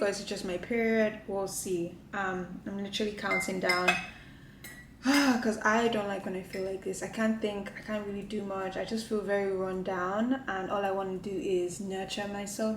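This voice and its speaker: A woman's voice: mid-range voice, fairly even intonation, normal speed, slight background noise. A woman vlogging to camera from her home kitchen, chatting casually and rambling with lots of "like" fillers. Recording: echoey room with faint ambience.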